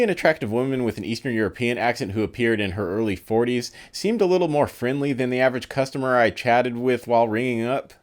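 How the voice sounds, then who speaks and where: Thirties male, low-ish voice, scripted storytelling, dry self-deprecating wit. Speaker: video creator.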